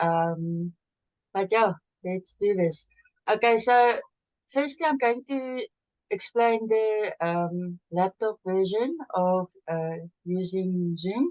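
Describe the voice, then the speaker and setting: Very slow and full of long, frequent pauses, a woman at medium pitch speaks with lively intonation in a dry, close sound with no echo. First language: not English. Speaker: Zoom trainer. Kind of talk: tutorial. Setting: video call. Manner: halting. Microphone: network issues, frozen computer.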